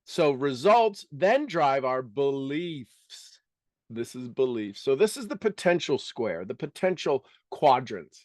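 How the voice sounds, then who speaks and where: A man's voice: medium pitch, sing-song, slow pace, dry recording, clean studio sound. Emphatic man leading a live workshop. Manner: emphatic, repeats key words, casual asides. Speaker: motivational workshop speaker. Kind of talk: live seminar teaching to an audience.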